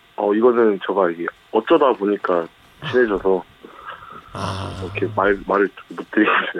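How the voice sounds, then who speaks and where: Noticeable background noise surrounds a man with a fairly low pitch, speaking at a moderate pace. His loudness swings widely, and he leaves long, frequent pauses. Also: ordinary pitch variation. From South Korea, Masan. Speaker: professional baseball player. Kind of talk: interview. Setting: phone call. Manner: clipped military-style politeness.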